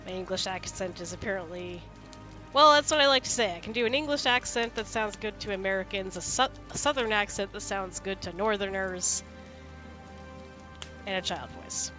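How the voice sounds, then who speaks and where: A woman's voice: medium pitch, normal speed, pushed and bright, faint music behind. A woman chatting casually with her live viewers while sick, rambling and laughing easily. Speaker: streamer.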